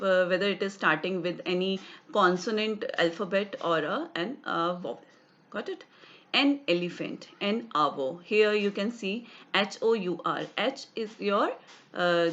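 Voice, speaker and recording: A woman's voice: medium pitch, a bit bright, muffled recording. Indian woman teaching online grammar lesson. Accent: Indian English. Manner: explanatory, repeats checks like "right?" and "got it?". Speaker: school English teacher. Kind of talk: online class lesson explaining grammar rules. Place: home or classroom, online class.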